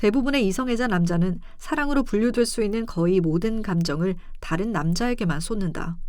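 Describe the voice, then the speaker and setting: A woman's normal speaking voice at medium pitch, with lively intonation and a fairly quick pace. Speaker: audiobook reader. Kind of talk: audiobook reading. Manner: soft, calm ASMR-style reading.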